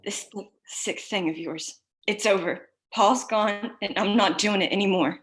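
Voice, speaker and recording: A woman's voice: medium pitch, a little slow, natural voice. A woman acting a cornered, defiant young woman in a drama table read, with short, strained replies. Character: shaken, defiant young woman trapped by blackmail.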